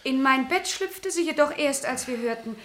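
A woman's voice: high-pitched, lively intonation, normal speed, a bit bright, a little hiss or hum. A woman playing a cultivated, proud villa employee in a German radio crime play, confessing in an articulate, formal, self-justifying way. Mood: explaining, proud. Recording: roomy, echoing studio sound.

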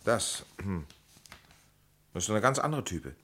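Inquisitive man in a radio whodunit: low-pitched, emphatic, strongly varied melody. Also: big pitch swings, a little slow, fairly bright tone, heavily acted. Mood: curious. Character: deep-voiced, inquisitive man piecing together a murder case. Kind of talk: German crime radio drama acting.

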